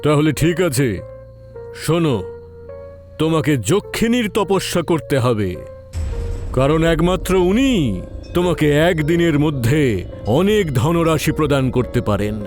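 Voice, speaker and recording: Casting: male narrator as solemn tantric holy man, slow and ominous, fairly high male voice, horror tale with music. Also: animated, a little mellow. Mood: grave, warning. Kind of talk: horror audio storytelling.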